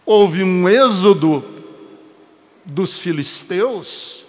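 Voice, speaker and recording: Emphatic Brazilian preacher in a reverberant hall. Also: male voice, high voice, expressive, extremely slow. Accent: Brazilian Portuguese. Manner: emphatic, building to forceful peaks, with chatty asides to the congregation. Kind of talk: sermon.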